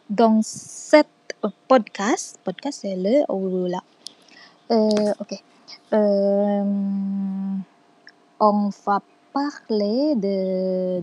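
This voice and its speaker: A young woman, not a native speaker, talks through a homework podcast in a hesitant, halting way. She speaks very slowly, and her voice is mellow and dark rather than bright. Fillers and restarts break up nearly every sentence. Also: mid-range voice, muffled recording. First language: not French. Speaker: student making a class podcast. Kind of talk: casual monologue.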